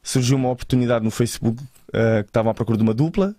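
A man with a European Portuguese accent speaks at a rapid clip in a casual interview. He explains himself in colloquial, slangy language, as a creative guest would. The sound is very dry and close, with no room around the voice. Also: medium pitch, dark tone, dry recording.

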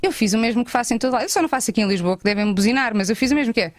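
A woman in her thirties with a European Portuguese accent, telling a lively travel story as a guest in a casual chat. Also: fairly high pitch, rapid-fire, no echo, clean studio sound. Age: 30s.

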